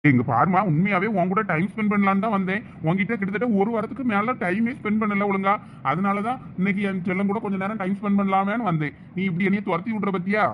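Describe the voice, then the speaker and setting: A man's voice: high-pitched, fairly even intonation, fast, slight background noise. A young man acting a husband in a village comedy skit, coaxing and pleading playfully. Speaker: sketch actor. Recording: dull lo-fi recording.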